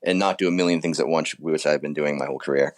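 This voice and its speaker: A man's voice: extremely low pitch, fairly even intonation, fast, no echo, studio quality. A man speaking informally and modestly as an author being interviewed in a casual chat.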